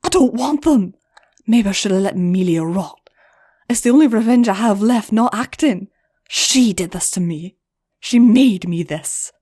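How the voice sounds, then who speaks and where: A woman's voice: low voice, moderate pace, few pauses, a little mellow, husky. Woman doing a bitter, defiant young pony. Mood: agitated.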